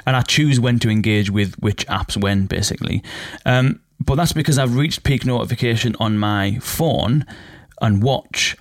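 A man hosting a solo podcast, talking through ideas in a casual, thinking-aloud way, his voice croaky from a cold. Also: mid-range voice, normal speed, no room sound, studio quality. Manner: conversational, thinking aloud with fillers and restarts. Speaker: podcast host.

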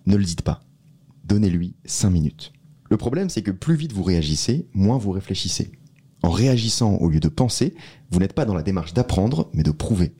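A man co-hosting a casual podcast, laying out ideas in a steady, measured way. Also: deep voice, breathy edge. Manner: explains rules in a steady, measured way. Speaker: podcast co-host.

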